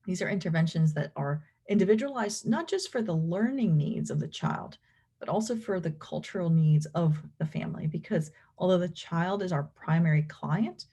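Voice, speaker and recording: Low, husky woman lecturing. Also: animated, moderate pace, dark tone. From Venezuela. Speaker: clinical professor and behavior analyst presenting research. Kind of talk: explanatory academic lecture.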